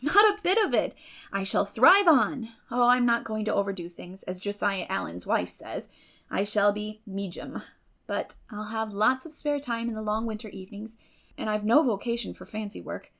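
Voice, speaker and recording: A woman voicing a bright, determined, idealistic sixteen-year-old girl in a dramatic audiobook, eager, effusive and dreamy. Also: medium pitch, lively intonation, moderate pace, gravelly. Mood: cheerful. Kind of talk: dramatic audiobook reading of a classic novel.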